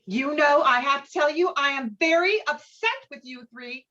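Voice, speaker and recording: A woman's voice: high-pitched, normal speed, sharp tone, pitched above the performer's own voice. Woman acting a stern, scolding mother, muffled audio. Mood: exasperated, scolding. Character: stern, exasperated suburban mother of three. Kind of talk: virtual table read of a screenplay.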